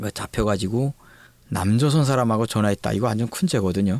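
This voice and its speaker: Delivered at a fairly quick pace with lively intonation, the speech has a dry, close sound with no echo. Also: man. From North Korea. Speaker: North Korean defector, animation artist. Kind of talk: podcast interview.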